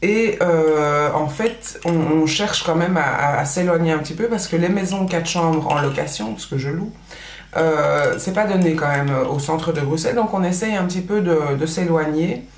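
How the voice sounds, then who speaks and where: A woman's voice: deep voice, moderate pace, reverberant. A woman in her thirties from Belgium, Dutch her first language, chatting casually with a Belgian French accent, full of fillers and restarts. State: pregnant. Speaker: vlogger. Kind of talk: casual chat while doing makeup.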